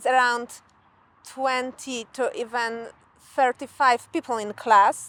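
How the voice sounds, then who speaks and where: A woman speaks in a strong Polish accent at a high pitch and a fairly slow pace. The sound is dry and close, with no echo. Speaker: fencing instructor. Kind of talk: casual talk to camera.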